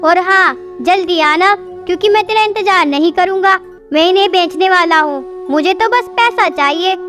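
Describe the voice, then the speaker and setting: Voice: very high-pitched, moderate pace, sharp tone. Voice actor doing a cackling greedy merchant bird. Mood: mocking. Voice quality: harsh mocking laugh. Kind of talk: storybook cartoon voice acting. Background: music.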